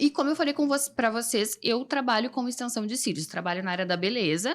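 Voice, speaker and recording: A woman speaks with a high pitch at a fairly quick pace. Her intonation is lively. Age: 30s. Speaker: lash designer and beauty educator. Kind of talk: podcast interview.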